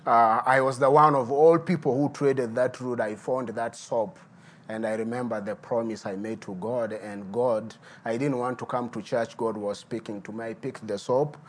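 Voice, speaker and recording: A middle-aged man, a guest pastor giving a sermon and telling his testimony in an earnest, unhurried way. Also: mid-range voice, fairly even intonation. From Uganda.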